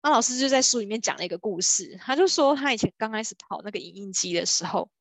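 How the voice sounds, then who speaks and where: A woman's voice: medium pitch, animated, quick pace, gravelly, no echo. A woman, talking about a sales book in a casual lecture style, full of little fillers and acted-out quotes. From Taiwan. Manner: chatty, many fillers like 哈 and 哦, acts out quoted people. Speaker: book-sharing speaker on B2B sales.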